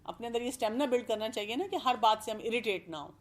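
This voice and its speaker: A woman speaking as an expert guest, explaining calmly and working through everyday examples. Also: on the high side. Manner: calm, explanatory, gives examples. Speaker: expert guest giving parenting advice. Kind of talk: advice talk.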